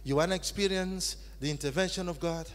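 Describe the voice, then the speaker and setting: Male preacher, high and animated, slow deliberate phrasing, swings from shouting to hushed, long hall reverb. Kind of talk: sermon in English with live interpretation. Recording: echoey hall.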